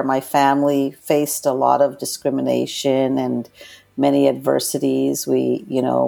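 A woman's voice: very deep voice, vocal fry, warm tone. A middle-aged woman who grew up in Los Angeles, speaking earnestly and thoughtfully as a guest in an interview. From born in Ecuador, grew up in Los Angeles. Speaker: podcast guest, nonprofit chief executive. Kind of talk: reflective interview conversation.

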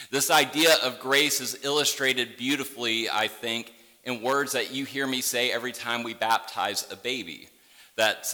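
A middle-aged male pastor, raised in the Upper Midwest, with an Upper Midwest accent softened by a Southern tinge, preaching a sermon in a gentle, conversational way. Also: medium pitch, long reverb tail. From Michigan, Upper Midwest. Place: church sanctuary.

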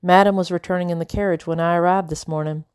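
A woman's voice: on the low side, fairly even intonation, fast talker, a little mellow, clear, resonant tone, no echo, studio quality, lightly acted. A woman voicing an anxious, kindly servant woman in a novel, folksy and hesitant. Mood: soothing.

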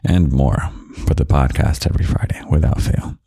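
A young man hosting a podcast of gentle, half-whispered comfort talk, slow and soft with quiet chuckles, close to the microphone. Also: extremely low pitch, steady tone, creaky, slightly rough, no echo. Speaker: podcast host.

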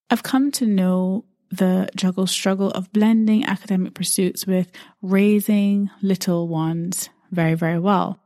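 A woman's voice: lowish voice, darkish tone, no room sound, studio quality. A woman from Barbados, probably in her thirties, hosting a podcast and talking about her life in an earnest, reflective way, often repeating words as she thinks. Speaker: podcast host.

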